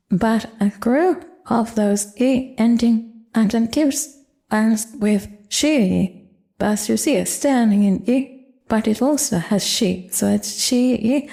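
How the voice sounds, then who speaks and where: Older lady giving a grammar lesson, kinda high voice but mellow, slow careful explaining. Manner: measured, explanatory. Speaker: Japanese language teacher.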